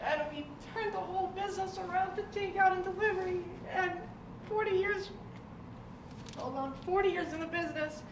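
A woman from a restaurant family, speaking through a face mask in a halting, emotional way in a restaurant dining room. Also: very high-pitched. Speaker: restaurant owner's family member. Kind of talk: casual conversation. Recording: echoey room from far off with background noise.

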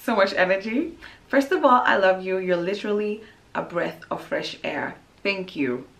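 A young woman hosting an advice vlog, talking candidly to camera with a slightly hoarse voice, often restarting her sentences. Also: fairly low pitch. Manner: chatty and candid, with frequent restarts and fillers. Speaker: YouTube advice host. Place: small room with a painting and plants.

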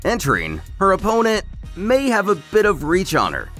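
A man's voice: high voice, wildly swooping pitch, moderate pace, fairly bright tone, faint music behind. A man narrating a scripted story recap as a host, in a storyteller's delivery.

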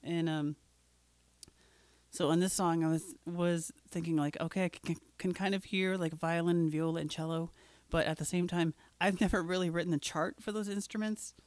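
A woman's voice: lowish voice, fairly even intonation, normal speed, a little mellow, no room sound. A middle-aged woman chatting between songs on a home live stream, rambling with many fillers and a little scratchy from a cold, into a mic on a stand in a living room. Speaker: singer-songwriter. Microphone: studio mic on a stand.

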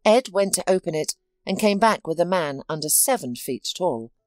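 A woman giving a scripted storybook narration with a steady read-aloud delivery. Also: fairly low pitch, normal speed, dry recording, clean studio sound, faint music behind.

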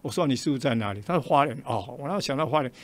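A man's voice: mid-range voice, racing. An older man with a Taiwanese Mandarin accent, a radio interview guest telling a personal story and acting out the quoted dialogue in changing voices. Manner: animated, acts out quoted dialogue with shifting voices.

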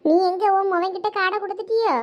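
Woman, Thoothukudi Tamil accent, very high voice, gossipy, complaining, comedy skit. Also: steady tone, fast talker.

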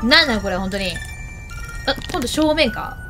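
Game host, woman, high and bright, very animated. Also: moderate pace, faint music behind. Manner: chatty, talks to the game character and the viewers. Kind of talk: lively gameplay commentary.

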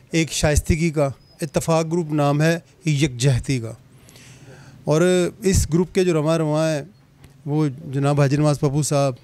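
A male trader answers in ornate, speech-like phrases in a crowded office. His voice sits slightly high. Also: a little mellow. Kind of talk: interview answer. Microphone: handheld mic.

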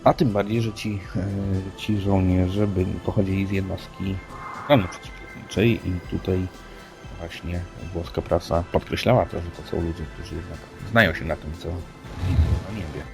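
Male co-host, deep creaky voice, halting delivery, talking over clearly audible music. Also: fairly even intonation. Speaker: podcast co-host. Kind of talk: unscripted paranormal news discussion. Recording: music playing under the voice.

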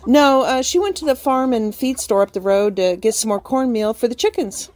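A woman's voice: on the high side, moderate pace, a little mellow, dry recording, lightly acted. An actress playing a friendly, talkative mother in a radio drama, polite and a little hesitant.

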